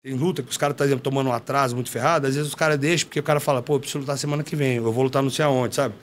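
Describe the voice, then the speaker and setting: A man, a former fighter, telling a story in casual chat, slangy and animated, acting out what others said. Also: mid-range voice, racing, a little hiss or hum. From Brazil. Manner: animated, slangy, acts out quoted dialogue. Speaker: podcast guest, former MMA fighter.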